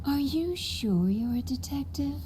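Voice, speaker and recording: A woman's voice: sits high, expressive, unhurried, over a noisy crowd. A woman playing a sultry female bat spy in a cartoon audio drama, with a sly, flirtatious, mocking delivery. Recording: music behind the voice.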